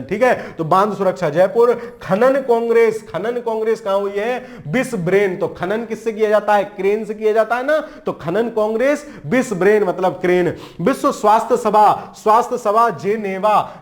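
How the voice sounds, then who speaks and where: A man teaching an exam-prep lesson in a casual, joking way, with memory tricks and frequent check-ins, speaking. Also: high-pitched. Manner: chatty, jokey memory tricks, frequent "ठीक है".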